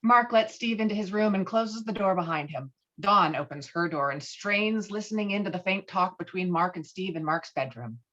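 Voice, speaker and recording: A woman's voice: mid-range voice, moderate pace, few pauses, a bit bright, highs cut off. A woman giving scripted narration of a screenplay, reading out scene headings and action. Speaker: stage directions narrator.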